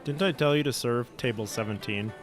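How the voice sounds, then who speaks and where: A man acting as a bossy diner manager, curt and condescending. His voice sits at a middle pitch in audio drama style, over faint music. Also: fairly quick, natural voice. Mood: stern. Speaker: podcast drama actor.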